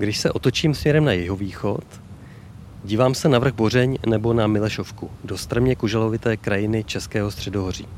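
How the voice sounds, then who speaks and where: Speaking at a fairly quick pace with ordinary pitch variation, the voice comes through over noticeable background noise. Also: man, fairly low pitch for a man. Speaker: composer and sound designer, narrator. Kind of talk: scripted literary narration, reflective audiobook-style reading. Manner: contemplative, evocative, soft-spoken.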